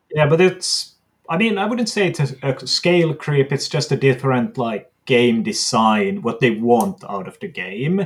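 A man with a Finnish accent speaks in a fairly high, somewhat breathy voice with very wide pitch swings. He goes at a fairly slow pace with hardly any pauses. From Finland. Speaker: podcast host. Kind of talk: casual interview chat.

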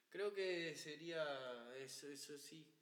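Male voice with ordinary pitch variation over noticeable background noise. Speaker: podcast host. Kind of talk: casual chat. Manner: talkative.

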